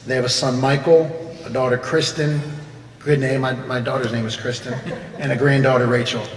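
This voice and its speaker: A man's voice: mid-range voice, fairly even intonation, moderate pace. A man reading out a biographical introduction of a guest speaker at a club meeting. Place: large echoey meeting room. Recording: echoey hall with background noise.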